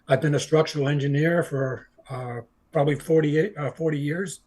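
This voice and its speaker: Retired engineer, older guy, husky voice a bit high, earnest and stammery. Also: moderate pace, darkish tone, poor audio. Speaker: retired structural engineer guest. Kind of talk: casual introduction.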